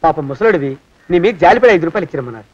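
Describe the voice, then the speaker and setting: A man's voice: fairly high pitch, big pitch swings, rapid-fire, dry recording. An actor playing a jittery comic male servant who wails in panic and rambles off silly jokes, on a dull old film soundtrack. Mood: pleading.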